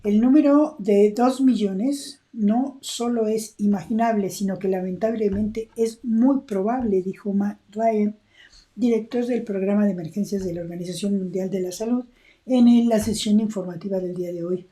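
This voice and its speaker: A woman, co-hosting and reading news aloud in a soft, measured way. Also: mid-range voice.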